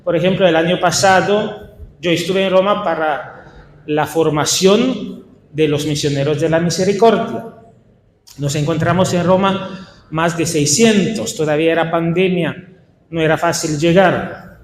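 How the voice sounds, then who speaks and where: A man with an Italian accent, a Franciscan priest leading a workshop for catechists, speaking in an unhurried, halting way with small restarts. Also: fairly high pitch, a little hiss or hum. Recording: echoey hall with faint ambience.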